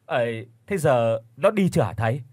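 A fat older man hangs on every word with deferential questions, as a male narrator puts him on. His voice is husky and close. This is from a horror audio story. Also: mid-range voice, expressive, moderate pace, a little mellow, no echo. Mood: awed.

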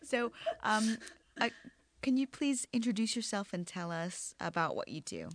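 A woman interviewer asking questions informally, with somewhat halting phrasing. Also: medium pitch, lively intonation.

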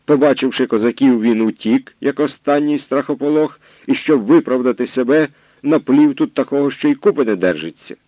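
A man's voice: mid-range voice, a little fast, no echo, dull audio, voice pushed up, lightly acted. A man voicing a scornful, argumentative male nobleman in an audiobook reading. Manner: mocking, argumentative. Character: scornful male nobleman, sharp-tongued lord.

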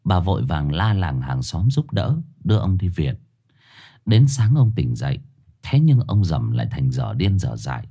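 A man narrating a ghost story in a dramatic manner, slowing down for suspense. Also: sits low, big pitch swings, mellow, husky.

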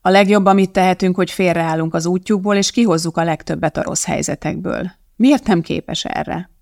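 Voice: medium pitch, creaky, a little mellow, no echo, studio quality, natural voice. An audiobook reader voicing an anxious male TV producer who pleads and frets. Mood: worried. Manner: worried and pleading. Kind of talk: audiobook character voice.

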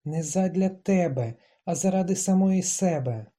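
Defiant young woman in an audiobook voiced by the reader, clipped, emphatic, very dark mellow tone, husky edge. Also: medium pitch, animated, moderate pace, natural voice. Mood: angry. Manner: clipped, emphatic, rising to shouts.

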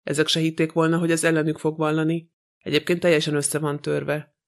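A man's voice: fairly high pitch, vocal fry. A man voicing an eager male police commissioner who exclaims his findings in an audiobook. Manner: excited exclaiming.

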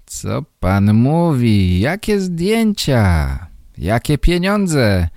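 A man voicing a scruffy, hungover male photographer who turns indignant and accusing, in a slow read-aloud story for learners. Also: medium pitch, wildly swooping pitch, a little mellow, dry recording, clean studio sound, voice pushed up, full character voice. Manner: indignant, then shrieking accusations.

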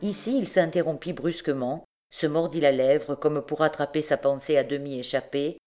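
A woman narrating a classic novel as an audiobook, with a measured, clear reading. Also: low-pitched, darkish tone.

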